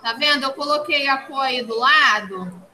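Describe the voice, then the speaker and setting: A woman teaching young children in an online phonics lesson, slow and patient, repeating each answer back. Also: high-pitched, sharp tone, poor audio. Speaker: primary school teacher. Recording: clear background noise.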